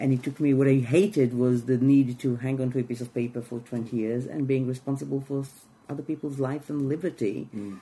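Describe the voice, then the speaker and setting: A woman with an Israeli accent speaks at a moderate pace. Her voice is very deep and low, with a dark, mellow tone. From Israel (Jerusalem). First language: Hebrew. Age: middle-aged. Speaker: comedian. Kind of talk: casual chat.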